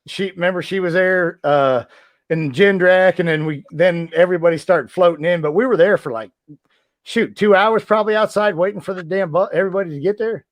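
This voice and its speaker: Man, slightly high voice, close dry sound, casual podcast chat, joking and self-mocking. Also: brisk, no echo. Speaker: podcast host, former wrestler.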